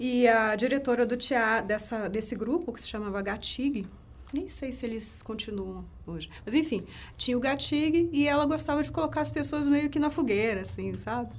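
A woman with a high voice speaks at a moderate pace with lively intonation. Audible room echo surrounds her. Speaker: singer. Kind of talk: interview.

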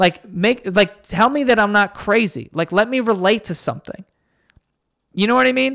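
This man has a high-pitched voice with a bright, sharp tone. He speaks at a moderate pace with lively intonation. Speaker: podcast host. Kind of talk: solo monologue. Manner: rambling.

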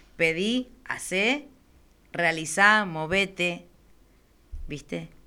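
The woman's voice has a bright, sharp tone. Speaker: cumbia singer and streaming show host. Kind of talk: casual radio interview. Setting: radio studio.

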